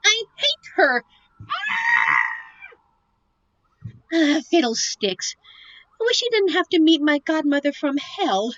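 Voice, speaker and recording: Young princess, played by a woman: very high, dry close sound, sweetly eager, fussy, melodramatic, fantasy audio drama. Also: wildly swooping pitch, takes it slowly, long pauses, a bit bright, dry recording, raised voice, lo-fi sound, exaggerated voice. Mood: hurt, furious. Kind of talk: fantasy audio roleplay acting.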